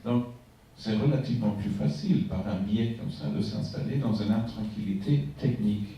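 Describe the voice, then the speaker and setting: A man whose first language is German, a writer speaking reflectively on a panel in a conference hall, pausing to search for words. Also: fairly low pitch, creaky, warm tone. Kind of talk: panel discussion. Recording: echoey hall from far off.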